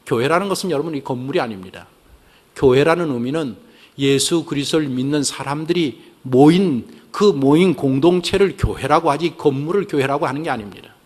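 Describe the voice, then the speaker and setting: A man delivers a sermon from the pulpit in a fairly high-pitched voice. He poses rhetorical questions and has the congregation repeat short prayers after him. His delivery moves between quiet passages and emphatic pushes. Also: fairly quick. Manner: preaching with call-and-response prompts to the congregation. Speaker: pastor.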